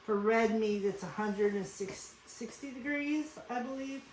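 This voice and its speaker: A woman's voice: a little high, a little slow, darkish tone. A woman born in South Korea and raised in Western Pennsylvania, hosting a casual cooking show from her kitchen in a chatty, rambling way. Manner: chatty, rambling, addresses viewers as folks. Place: home kitchen. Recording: echoey room, faint noise.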